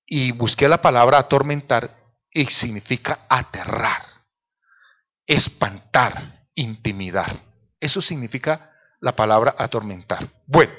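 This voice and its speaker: Emphatic pastor preaching. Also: male voice, medium pitch, a bit bright. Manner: emphatic, with rhetorical question tags. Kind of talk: sermon.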